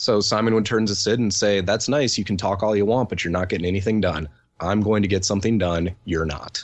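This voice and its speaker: Speaking fairly quickly in a fairly low pitch, a man has an ordinary speaking voice. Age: 30s. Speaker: role-playing gamer in a dispute. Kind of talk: casual testimony in mock trial.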